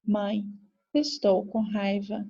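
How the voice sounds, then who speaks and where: A woman's voice: medium pitch, monotone, takes it slowly, gravelly, mellow, dull audio. A woman reading the lines of an angry mother speaking in short, firm statements.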